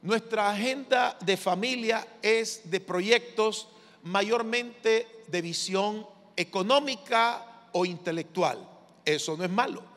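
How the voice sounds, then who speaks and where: High-voiced pastor preaching in a hall. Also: male voice, a bit bright. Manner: measured, emphatic preaching with call-and-response prompts. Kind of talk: sermon. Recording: long reverb of a large hall.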